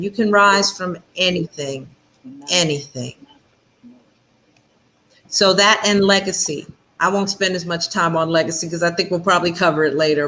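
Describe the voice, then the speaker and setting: Guest speaker: woman, bright and tense voice, motivational, faint background noise. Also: lowish voice, rough recording. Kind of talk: casual interview.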